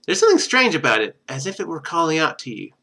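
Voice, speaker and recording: Guy livestreaming a game, kinda high bright voice, really swingy pitch, reads the text out then cracks dry sarcastic comments. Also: huge pitch swings, fast talker, creaky. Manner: wry, sarcastic asides. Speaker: game streamer. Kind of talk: live let's play, reading game text aloud with casual commentary.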